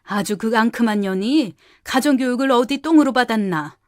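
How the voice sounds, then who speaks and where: A scolding old aunt with a coarse, grumbling tongue, as a woman acts her out. The voice sits a little high and sounds close and dry, with no room around it. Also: moderate pace, no room sound, natural voice. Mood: indignant. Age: older. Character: woman playing the aunt, older, blunt and scolding.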